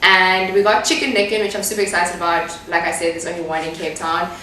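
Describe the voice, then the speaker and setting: A young woman talks casually to her camera, bubbly and quick to laugh. Her voice sits a little low for a woman. The recording carries clear background noise, like handheld vlog audio. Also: level tone, bright, forceful tone. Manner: chatty, giggly, bubbly. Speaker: vlogger host.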